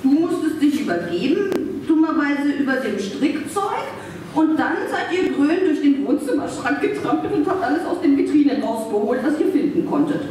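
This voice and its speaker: A woman's voice: sits high, sing-song, normal speed, mellow, a little hiss or hum. A woman playing an anxious, scolding male pug in a live stage radio play, hesitant and whiny. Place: theatre stage, recorded from the audience. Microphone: far camera. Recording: very echoey, distant stage recording.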